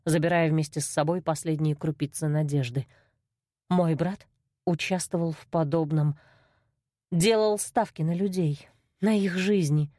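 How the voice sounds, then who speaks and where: A woman's voice: mid-range voice, warm tone, no echo, studio quality. A woman reading a first-person novel aloud with emotional expression. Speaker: audiobook narrator. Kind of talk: first-person audiobook narration.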